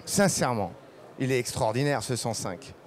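Middle-aged man, photographer at a live fair talk, casual and halting, handheld mic. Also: mid-range voice, animated. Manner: casual, hesitant, many fillers. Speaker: guest photographer. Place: trade fair stage.

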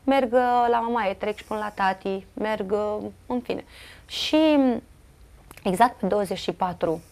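A woman's voice: mid-range voice, darkish tone. Earnest Romanian woman telling a family story. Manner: earnest, quotes dialogue, many fillers. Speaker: interview guest. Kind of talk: emotional personal storytelling.

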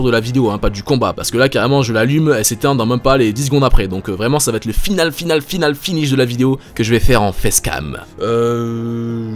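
A man giving excited gameplay commentary, hyped and swearing casually as he talks to his viewers. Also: medium pitch. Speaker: gaming YouTuber. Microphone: facecam setup.

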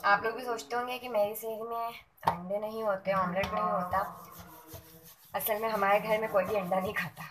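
A woman vlogger narrates casually while cooking in her home kitchen, keeping things homely. Her medium-pitched voice moves at normal speed with fairly even intonation, over a noisy recording full of clattering pots and dishes.

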